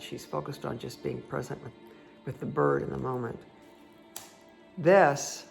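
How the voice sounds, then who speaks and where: Croaky woman giving a card reading. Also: deep voice. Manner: chatty, reassuring, addresses listener directly. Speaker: tarot card reader. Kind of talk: casual spoken card reading. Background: background music.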